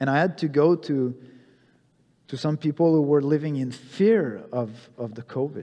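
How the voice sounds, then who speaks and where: A man's fairly high voice, dark and mellow in tone, in a French accent, at a moderate pace with ordinary pitch variation and long, frequent pauses. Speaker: pastor. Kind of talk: sermon. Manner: halting.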